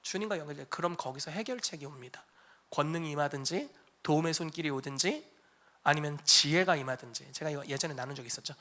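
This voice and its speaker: High, bright-voiced man preaching. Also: quick pace. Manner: conversational and emphatic, acting out quotes. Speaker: pastor. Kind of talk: sermon. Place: church service.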